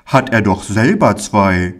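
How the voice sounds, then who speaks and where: A man voicing a kind, friendly older man in a storybook reading, speaking gently with a tinged manner. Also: lowish voice, lively intonation, slow. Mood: kind, coaxing. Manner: gentle, warmly admonishing.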